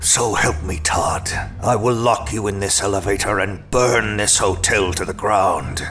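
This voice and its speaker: Clear background noise sits behind a man speaking at a moderate pace. His pitch is fairly low. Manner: irritable, contemptuous, dry.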